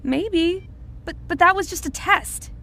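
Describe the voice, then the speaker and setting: Actress as skeptical woman, high natural voice, conversational, faint ambient noise. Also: unhurried, bright, forceful tone, heavily acted. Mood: incredulous. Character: incredulous, questioning woman in conversation. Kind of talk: naturalistic audio drama dialogue.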